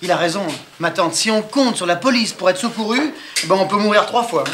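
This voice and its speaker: A man's voice: sits high, a little fast, fairly bright tone, slight background noise. An actor playing a likable con man who chatters nervously and evasively in a 1980s television comedy. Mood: scheming. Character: fast-talking likable male con man.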